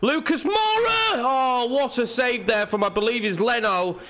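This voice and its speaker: A young man with a slightly nasal, croaky voice from a cold, chatting casually as he commentates his own football video game. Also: extremely high pitch, measured pace, background noise. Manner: chatty, excitable at chances. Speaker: gaming channel host.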